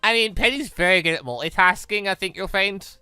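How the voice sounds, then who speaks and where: An excitable let's play host, commentating on a game and exclaiming while reading along. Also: medium pitch, a little fast, clear, resonant tone, no room sound. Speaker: gaming video host reading a visual novel aloud. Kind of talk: let's play commentary with read-aloud character dialogue. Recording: close dry mic over game music. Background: game music.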